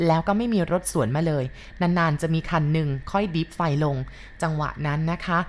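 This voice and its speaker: Low-voiced woman telling a ghost story. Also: slight background noise. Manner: calm, polite, measured retelling with soft sentence endings. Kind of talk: narrating a listener's ghost story.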